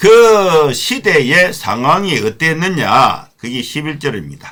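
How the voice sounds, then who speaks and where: A man with a bright, sharp tone, speaking at a very slow pace. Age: 60s. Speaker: pastor. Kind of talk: sermon.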